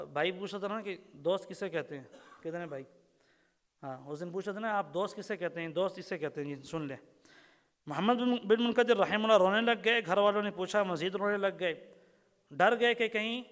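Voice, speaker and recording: High-voiced man giving a sermon in a hall. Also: fairly bright tone. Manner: storytelling, repeats phrases, recites Arabic verses; asks the audience questions. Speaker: religious lecturer. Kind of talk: Urdu sermon lecture.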